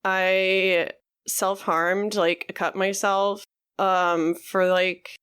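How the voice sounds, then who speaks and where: A woman co-hosting a podcast, talking frankly in a halting way with many fillers. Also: medium pitch, level tone, a bit bright, smooth. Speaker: podcast co-host. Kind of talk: candid conversational podcast talk.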